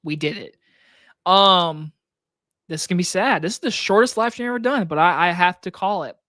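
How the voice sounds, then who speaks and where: A man with a scratchy, hoarse throat hosting a casual live stream Q&A from his desk, talking loosely with plenty of likes and restarts into a microphone on a boom arm. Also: a little fast, pushed and bright, dry recording, studio quality. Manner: loose, rambling talk with many likes and restarts. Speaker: movie reviewer and channel host. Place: home desk setup.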